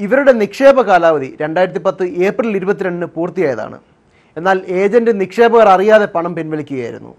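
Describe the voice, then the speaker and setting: A man's voice: sits high, expressive, brisk. A man reading a scripted investigative news narration as the programme's presenter.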